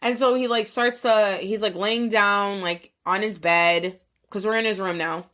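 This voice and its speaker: A woman in her thirties talks straight to her podcast audience in a bright, forward voice, pitched right in the middle of the range. She rambles through a personal story, swears often, and fills every gap with "like" and "y'all". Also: measured pace. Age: 30s. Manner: rambling, profane, filler-heavy, animated retelling with quoted voices. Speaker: podcast host. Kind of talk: casual storytelling monologue.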